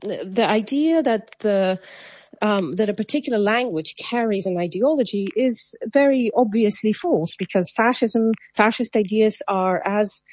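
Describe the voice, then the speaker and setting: A woman's voice: mid-range voice, measured pace, a little mellow, no echo. Woman, guest commentator, hesitant ums, debating, dry sound. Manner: fluent with frequent ums and restarts. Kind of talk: animated debate argument.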